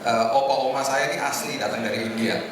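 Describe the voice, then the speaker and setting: A middle-aged man preaching informally to a congregation in a conversational, joking way, with hesitant pauses. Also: medium pitch, steady tone, a crowd in the background. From Indonesia. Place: large echoing indoor hotel hall. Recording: echoey hall, distant mic, noisy room.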